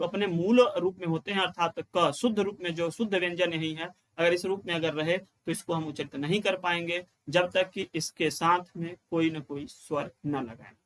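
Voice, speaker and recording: High-voiced man teaching grammar. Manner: explains step by step, repeats lines and asks questions he answers himself; chants rules in a slow sing-song. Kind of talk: exam-prep grammar lesson.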